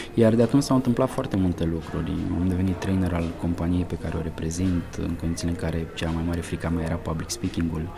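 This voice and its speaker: A man talks very fast in a very deep, low pitch with ordinary pitch variation. Background noise is noticeable. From Romania, Argeș county. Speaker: network marketing entrepreneur. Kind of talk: interview.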